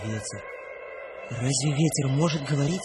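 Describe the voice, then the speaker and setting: A man's voice: mid-range voice, normal speed, very noisy, close to an everyday voice. An actor playing a sensitive young man, a wary dreamer, in a radio drama, questioning and earnest. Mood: curious. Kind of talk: Russian radio drama acting. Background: music.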